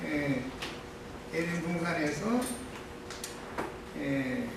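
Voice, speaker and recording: A man with a high, gravelly voice earnestly walks through a point of doctrine. His delivery is broken up by short affirming fillers. He sounds distant in a very echoey room with clear noise behind. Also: very slow. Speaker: church member giving testimony. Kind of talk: explanatory testimony.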